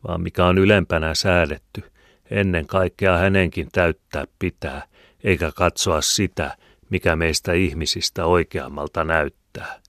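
A man reads a novel aloud in a calm, measured narration. His voice is notably low, and the sound is close and dry with no room at all. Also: no echo. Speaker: audiobook narrator. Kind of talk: scripted narration.

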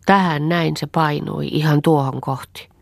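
A woman voicing an excited little peasant girl who pleads breathlessly. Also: deep voice, gravelly, no room sound, clean studio sound, voice pushed up. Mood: excited pleading.

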